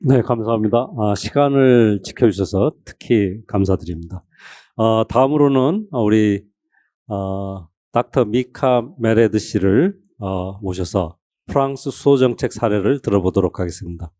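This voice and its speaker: A male moderator hurries through speaker introductions at a very fast pace. His voice is low and dark. The sound is dry, with no reverb. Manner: rapid, brisk introductions. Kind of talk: conference moderating.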